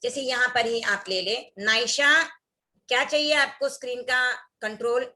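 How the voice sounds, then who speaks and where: A woman's voice: fairly high pitch, steady tone, normal speed, pushed and bright. A woman teaching an online religious workshop, explaining recitation mistakes and reciting scripture passages as examples.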